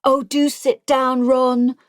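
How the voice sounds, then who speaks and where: A woman voicing a commanding, polite lady in her eighties, brisk and genteel, for an audiobook. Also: sits high, flat delivery, pitched above the performer's own voice. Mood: exasperated.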